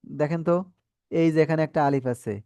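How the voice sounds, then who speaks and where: Patient man spelling out recitation slowly. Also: on the high side, fairly even intonation, dark tone, clean tone, dry recording, studio quality. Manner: asks the class questions and has them repeat. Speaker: Quran reading teacher. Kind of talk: Quran recitation lesson.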